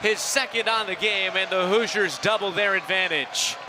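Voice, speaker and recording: A man's voice: sits high, moderate pace, background noise. A man calling live soccer play-by-play as the announcer.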